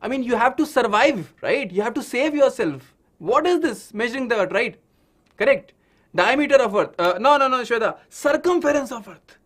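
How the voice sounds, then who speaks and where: Indian guy teacher, native hindi speaker, high pitched n super animated, tells it like a big story n keeps asking right?. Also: moderate pace. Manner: dramatic storytelling with frequent check-in questions. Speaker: science teacher. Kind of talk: animated online lesson for children.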